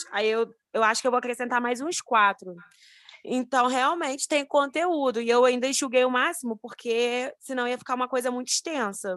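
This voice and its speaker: A woman's high-pitched voice at a moderate pace, ordinary pitch variation, in a dry, close sound with no echo. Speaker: nursing student. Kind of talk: class discussion.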